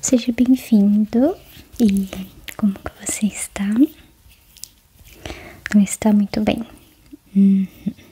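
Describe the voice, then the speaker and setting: Soft-spoken and gentle in tone, a woman speaks at a very slow pace. Light background noise can be heard. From Brazil. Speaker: ASMR creator. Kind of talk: ASMR roleplay, acupuncture clinic. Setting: studio, close microphone. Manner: soft-spoken, gentle, slow. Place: home room. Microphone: studio mic.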